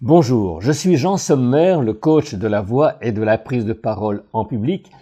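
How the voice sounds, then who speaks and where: Male voice coach, scripted analysis, very dark timbre, lively melodic delivery. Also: medium pitch, soft background music. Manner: measured, analytical, expressive phrasing.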